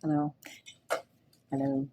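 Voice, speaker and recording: A woman from Mexico co-hosting a casual podcast chat, soft-spoken and giving brief, agreeing replies. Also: extremely low pitch, monotone, takes it slowly, husky. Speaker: co-host.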